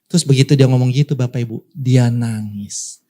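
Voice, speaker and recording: A male pastor preaching a lively sermon, telling a story and acting out the voices of its people while speaking to the congregation. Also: medium pitch, moderate pace.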